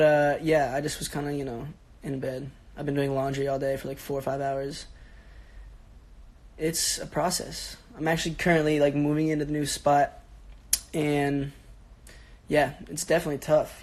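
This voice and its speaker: A social media personality in his twenties chats on a phone livestream from his bedroom at home, reading and answering fan comments. His fairly high voice sounds raspy and sick, and he is laid-back, rambling, and slangy.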